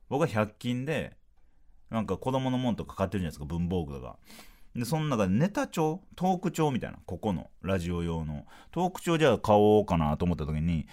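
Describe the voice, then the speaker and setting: Kansai-accented male comic, 30s, low voice, lively swings, solo podcast storyteller. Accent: Kansai Japanese. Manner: animated, acts out dialogue in quick bursts. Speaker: podcast host, comedian.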